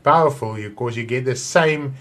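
A man in his fifties with a South African accent, an Afrikaans speaker, chatting warmly and rambling through a church broadcast welcome from his home. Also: mid-range voice, moderate pace. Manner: chatty, rambling, with many restarts and hand gestures. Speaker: pastor. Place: home room with wall of plates, indoors.

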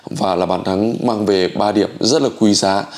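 A man in his forties hosting sports news commentary to camera, with hesitant pauses. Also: fairly low pitch, steady tone, a little mellow. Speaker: host. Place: small indoor room.

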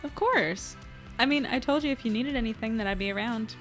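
A woman playing a practical, reassuring newspaper editor in an audio drama, casual and measured. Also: fairly high pitch, faint music behind, lightly acted. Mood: friendly.

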